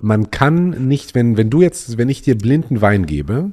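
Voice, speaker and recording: A man's medium-pitched voice, dark and mellow in tone, with very wide pitch swings. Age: 30s. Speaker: podcast host. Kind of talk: casual chat.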